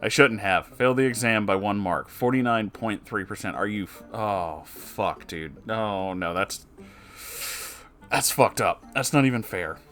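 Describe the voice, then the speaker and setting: A man reading submitted stories aloud in a casual way, breaking in with animated, sarcastic and often sweary commentary. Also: fairly low pitch, a little slow. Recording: music behind the voice. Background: music.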